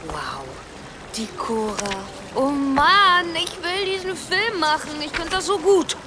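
An actress playing an excitable young woman friend in a radio play, gushing and chatty. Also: medium pitch, normal speed, noisy background, lightly acted.

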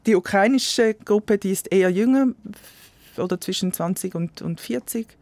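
A man, answering interview questions in a hesitant, reflective way and often trailing off softly. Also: high-pitched, moderate pace. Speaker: guest, volunteer program coordinator. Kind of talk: interview conversation.

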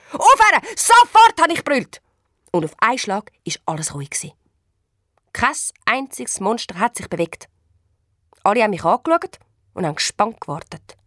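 A woman with a Swiss German accent reading a children's story aloud, lively and expressive. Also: medium pitch, no echo, studio quality.

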